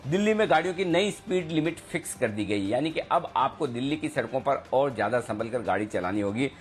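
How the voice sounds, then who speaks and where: A man with an Indian accent presenting live market news, announcing upcoming shows in a brisk manner with punchy slogans. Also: medium pitch, expressive. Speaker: news anchor.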